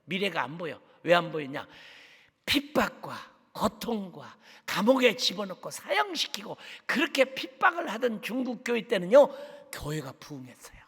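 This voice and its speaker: A man preaching a sermon as a guest missionary, fervent, dropping to hushed tones and rising to shouts. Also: high voice, very animated, moderate pace, slightly rough. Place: church sanctuary. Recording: long church hall reverb.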